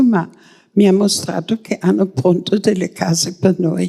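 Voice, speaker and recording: A woman's dark, mellow voice with vocal fry sits at a medium pitch, moving at a fairly slow pace with ordinary pitch variation. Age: 80s+. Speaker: audience member asking a question; reflexologist and massage therapist. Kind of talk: audience question at a conference.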